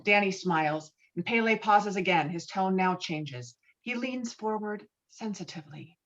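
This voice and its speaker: A woman's voice: medium pitch, animated, moderate pace, fairly bright tone. A woman narrating stage directions from a film script at a virtual table read. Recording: dull, lo-fi video-call audio.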